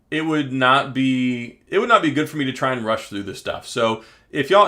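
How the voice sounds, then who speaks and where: A man talks with a slight Southern accent. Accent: slight southern drawl. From Texas, Houston. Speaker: tech YouTuber. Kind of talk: livestream chat with viewers. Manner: fast.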